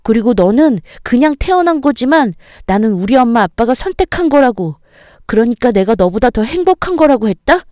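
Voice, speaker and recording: A woman doing a boastful, bright young schoolboy. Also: a little high, expressive, fairly quick, no room sound, studio quality, pitched above the performer's own voice, natural voice. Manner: bouncy, boastful chatter. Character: cheerful proud young schoolboy son.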